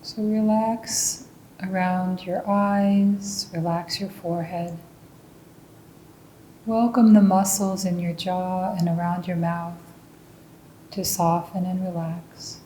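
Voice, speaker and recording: A woman leading a guided mindfulness meditation, speaking calmly and gently. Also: on the low side, echoey room, slight background noise, low-quality recording. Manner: slow, calm and gentle instruction.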